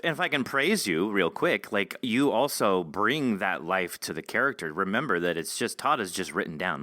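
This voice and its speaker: A man hosting a podcast, chatting excitedly with actors, swearing casually and laughing often. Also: deep voice, no echo, studio quality. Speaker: podcast host interviewing actors.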